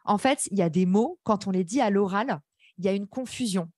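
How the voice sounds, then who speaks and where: A woman's voice: medium pitch, brisk, a little mellow, no room sound, clean studio sound. A woman with a slight English-tinged accent in French, teaching a podcast workshop in a chatty, enthusiastic way and speaking straight to her audience. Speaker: podcast course instructor.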